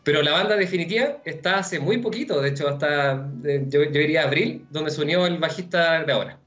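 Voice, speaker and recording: A young man with a Chilean accent answering interview questions on a video call from home, relaxed and rambling with many fillers. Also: a little high, brisk. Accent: Chilean Spanish. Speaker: musician guest. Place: room at home. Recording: dull lo-fi video call audio with faint music.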